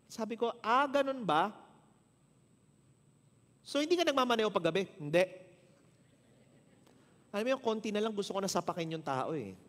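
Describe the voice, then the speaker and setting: A Filipino pastor preaches in a high, animated voice, swinging his pitch as he acts out both sides of a conversation. His words ring out with a long reverb from the church hall. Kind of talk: sermon with storytelling.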